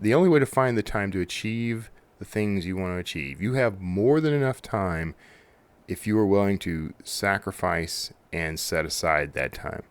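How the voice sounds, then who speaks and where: A man with a low voice speaks as a podcast host in a loose, conversational monologue. He rambles informally and drifts into asides. The sound is dry and close, with hardly any room in it. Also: no echo. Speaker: author. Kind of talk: casual solo podcast monologue.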